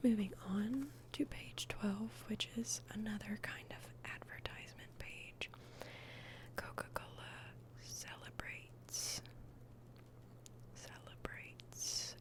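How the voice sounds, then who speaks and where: Whispering at a very slow pace, with long, frequent pauses and noticeable background noise. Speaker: ASMR creator. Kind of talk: ASMR menu reading. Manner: soft-spoken, whispery, slow, casual.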